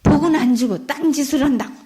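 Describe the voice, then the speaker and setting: A woman nun giving a Bible lecture, telling a folk tale in a lively, chatty way and asking her listeners questions. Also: sits high, fast.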